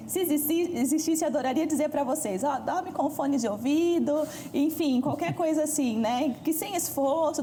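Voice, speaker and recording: Calm explaining Brazilian woman from Minas. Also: high-pitched, a little hiss or hum. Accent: mixed Brazilian Portuguese, mineiro base. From Minas Gerais, Brazil. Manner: measured, explanatory, deliberate pauses. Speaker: language expert guest. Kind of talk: studio talk show discussion.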